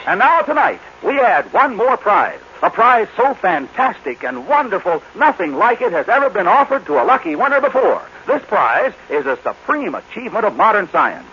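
An actor playing an excitable American game show announcer with grandiose, emphatic delivery on a 1950s radio drama. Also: male voice, sits high, moderate pace, hardly any pauses, heavily acted. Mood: grand, excited. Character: showy, excitable male giveaway show announcer. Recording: hissy, dull 1950s radio recording.

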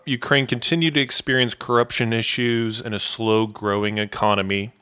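Smooth-voiced man narrating history. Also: mid-range voice. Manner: steady, explanatory storytelling. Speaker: podcast host.

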